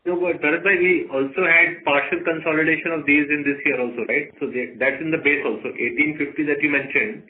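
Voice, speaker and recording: A man's voice: on the high side, steady tone, a little fast, few pauses. A man with an Indian accent giving explanatory answers as a company executive on an earnings call. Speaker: company executive adding clarifications. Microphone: phone conference call. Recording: narrow, tinny phone line.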